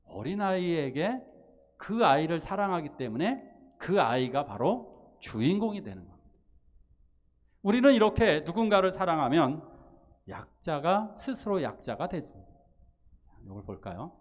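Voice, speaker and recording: A male pastor preaching a sermon, telling a story with animated delivery and acting out the pleading voices of its characters. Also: high voice. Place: church sanctuary.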